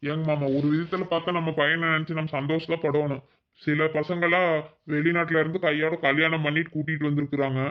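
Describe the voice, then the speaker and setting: A man's voice: fairly high pitch, lo-fi sound, lightly acted. A man voicing a middle-aged village father in a cartoon, with a Kongu Tamil accent, patient and persuasive.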